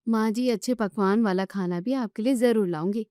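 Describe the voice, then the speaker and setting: Woman voicing a dutiful young wife, pleading and soft-hearted, middle pitch. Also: normal speed, no echo, studio quality, lightly acted. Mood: gentle. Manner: pleading, earnest. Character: kind young daughter-in-law, dutiful and gentle.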